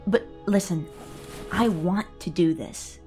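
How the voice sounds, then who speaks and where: A woman's voice: lowish voice, slow pace, mellow, soft background music. A woman acting a wry, stubborn, eager fleet leader in a sci-fi audio drama, with an informal, teasing manner. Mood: earnest, determined.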